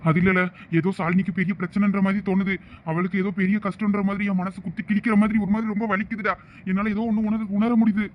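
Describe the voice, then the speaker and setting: A man's voice: high voice, flat delivery, quick pace, highs cut off, pitched above the performer's own voice, close to an everyday voice. A man playing a distraught young husband who pleads and sounds close to tears in a village drama. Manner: tearful, pleading.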